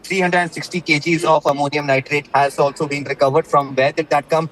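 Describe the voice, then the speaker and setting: A man with an Indian accent reporting breaking news live, haltingly, with repeated words and many filled pauses. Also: a little high, little pitch movement, a bit bright, low-quality recording.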